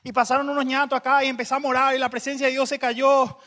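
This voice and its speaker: Bright, high-voiced preacher man. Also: level tone, fast talker. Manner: joking, conversational, bursts of loud emphasis. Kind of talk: humorous sermon storytelling.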